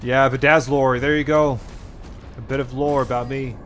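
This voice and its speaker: A man's voice: medium pitch, flat delivery, normal speed, soft background music. A young man with an American-influenced English accent, half French and half Danish, chatting casually with his live chat while he plays, rambling and joking. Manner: rambling, restarts words, playful banter. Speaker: streamer.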